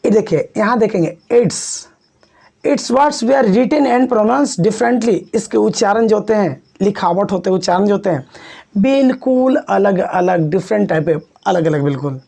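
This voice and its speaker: A man's voice: high voice, a little slow, gravelly, darkish tone. A man teaching an exam-prep English lesson, repeating points and coaxing his students. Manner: coaxing, repetitive, addresses students as "babu". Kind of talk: exam-prep video lecture.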